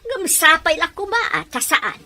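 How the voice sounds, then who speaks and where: An actress playing a stern, resentful mother in a radio drama, nagging and exasperated, with a husky voice and Filipino Ilocano accent. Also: very high-pitched, expressive, normal speed, bright, forceful tone, exaggerated voice. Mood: bitter.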